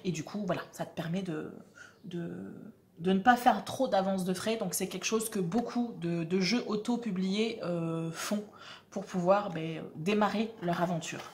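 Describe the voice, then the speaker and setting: A woman's voice: medium pitch, normal speed, darkish tone, a little hiss or hum. A woman, hosting a tarot channel and presenting a deck in a chatty, self-mocking way with many fillers. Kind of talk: casual presentation to camera.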